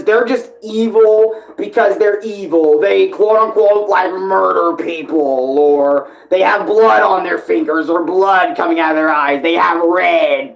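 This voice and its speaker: A man's voice: sits high, gravelly, rough recording. A young man giving casual fan commentary as an online creator, rambling informally with hesitations, digressions and swearing.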